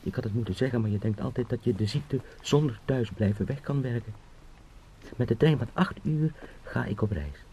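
An actor in a radio drama playing an anxious young travelling salesman trapped as a beetle, brooding in halting phrases. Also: medium pitch, warm tone, close to an everyday voice. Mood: agitated, pleading. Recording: muffled, with background noise.

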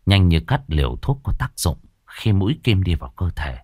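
Man, horror story narration, dramatic reading, lively intonation, dry close sound. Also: low voice, normal speed, breathy edge, no echo.

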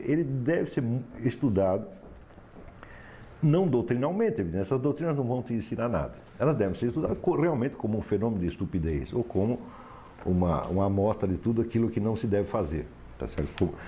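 A man lecturing on philosophy in a low, mellow voice that rises and falls sharply. He talks in an emphatic, sardonic way and keeps checking his listeners follow. Faint hiss sits under the recording. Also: sing-song, fairly quick. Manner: emphatic, sardonic, asks "tá certo?" for assent. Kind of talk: lecture to a class.

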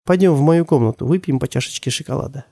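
Мужчина изображает нежную, вспыльчивую молодую мать. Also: male voice, fast talker, gravelly, dry recording, clean studio sound. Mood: tender cooing. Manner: soft cooing turning to shrill outbursts. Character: young mother, tender, protective, explosive when angry.

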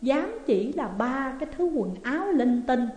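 A woman's voice: high-pitched, big pitch swings, a little slow, a little mellow. A woman with a Southern Vietnamese accent voicing an eager, emotional young daughter in a storybook reading. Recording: echoey room with long reverb.

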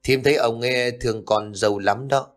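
A man voicing a kind, motherly older village woman who gently comforts and coaxes. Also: mid-range voice, steady tone, brisk, voice pushed up, lightly acted. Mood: caring. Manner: gentle, soothing, coaxing.

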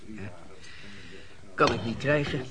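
An actor playing a hard-up, jobless young bookkeeper, meek and wheedling, speaking haltingly in a radio drama. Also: male voice, mid-range voice, natural voice. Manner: halting, stammering hesitation. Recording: busy eatery, chatter and clattering dishes. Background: crowd chatter, cutlery and dishes.

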